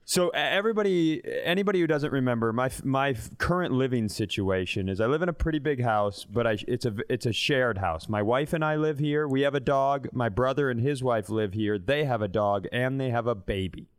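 A man's voice: mid-range voice, lively intonation, brisk, hardly any pauses. Man in his thirties telling bawdy comic stories. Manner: swearing, blunt, acts out quoted lines. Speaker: comedy podcast co-host. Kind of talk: animated casual comic storytelling.

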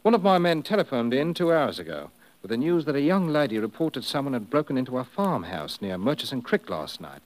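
An actor playing a methodical police officer in a 1950s radio drama, polite and measured as he explains. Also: mid-range voice, very animated, natural voice, poor audio. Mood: matter-of-fact. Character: courteous, methodical male police officer in charge. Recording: vintage 1950s radio broadcast.

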